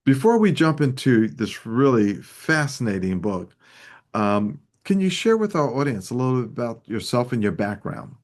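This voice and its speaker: A man hosting a leadership interview show, opening with a formal, measured scripted introduction. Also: mid-range voice, big pitch swings. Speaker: show host.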